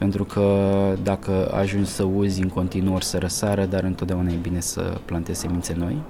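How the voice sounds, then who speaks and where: Fairly quick, flat, monotone delivery amid noticeable background noise. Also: man, very deep, low pitch for a man. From Romania, Argeș county. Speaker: network marketing entrepreneur. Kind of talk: interview.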